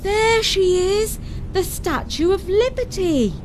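An excited little boy, as a woman puts him on, high-pitched and eager, calling out his lines in a storybook reading. His voice jumps up and bursts with wonder. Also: slow, noisy background, exaggerated voice. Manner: eager, exclaiming.

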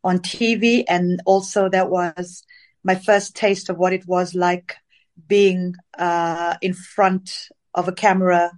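A woman's voice: fairly low pitch, little pitch movement, takes it slowly. Chatty woman singer from Zambia. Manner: chatty, rambling with fillers. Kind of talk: casual interview.

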